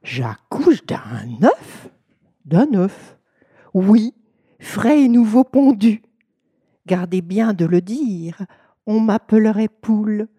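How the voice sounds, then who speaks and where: A woman doing a husband's loud anguished cries. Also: mid-range voice, very animated, slow, husky, full character voice. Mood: conspiratorial. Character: husband feigning labor pains, loud and theatrical.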